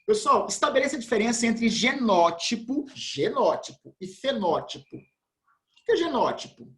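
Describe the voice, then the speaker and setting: A man's voice: very high voice, big pitch swings, normal speed, fairly bright tone. A man teaching a biology class in a casual, slangy way. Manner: casual, slangy, says "velho" and "pessoal". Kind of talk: remote class, chatty explanation. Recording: echoey room.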